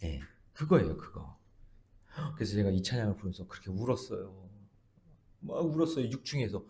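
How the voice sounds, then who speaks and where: A man preaching a dawn prayer service sermon as a pastor, emphatic and questioning the congregation, swinging between loud exclamations and soft asides. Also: fairly low pitch, sing-song, brisk. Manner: talks directly to the congregation with questions.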